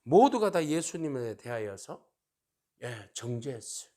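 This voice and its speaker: A male pastor preaching a sermon in an animated way, often asking his listeners to agree and acting out the taunts of mockers. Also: medium pitch, measured pace. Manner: asks the congregation for agreement.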